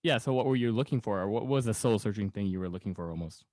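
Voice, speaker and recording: A man's voice: on the low side, quick pace, darkish tone, dry recording, clean studio sound. A man hosting a casual podcast chat, inquisitive and rambling, often repeating his words as he goes. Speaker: podcast host.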